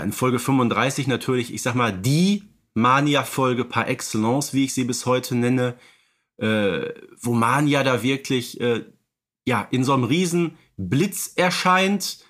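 A man's voice: mid-range voice, a bit bright. A man co-hosting a podcast, reeling off detailed background facts in casual chat, with many filler sounds. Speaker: podcast co-host. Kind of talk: casual fan-expert chat.

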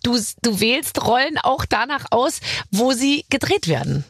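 A woman hosting a podcast, joking and teasing her guest in quick banter. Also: a little high, big pitch swings, husky, no echo. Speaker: podcast host. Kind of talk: casual podcast chat.

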